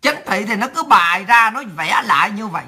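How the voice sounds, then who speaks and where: A woman's voice: mid-range voice, very animated, fairly quick, sharp tone, breathy edge. A woman with a Southern Vietnamese accent delivering a heated, sarcastic, coarse political rant as a commentator.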